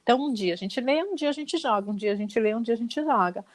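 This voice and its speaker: Animated woman retelling a family story. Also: on the high side, quick pace, dry recording. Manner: animated retelling, acting out dialogue. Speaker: mother telling a story as a podcast guest. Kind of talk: casual storytelling chat.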